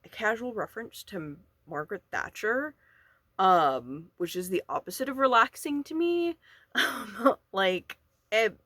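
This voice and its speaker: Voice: mid-range voice, lively intonation, sharp tone, dry recording. Casual book vlogger with a dry, close sound. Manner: informal, hesitant, halting, with frequent asides. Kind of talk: casual book review chat to camera.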